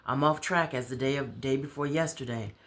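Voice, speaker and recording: A woman's voice: extremely low pitch, brisk. A woman voicing an easygoing, sociable businessman in casual, colloquial storybook dialogue. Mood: proud, wistful. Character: easygoing male friend, sociable businessman with teaching dreams.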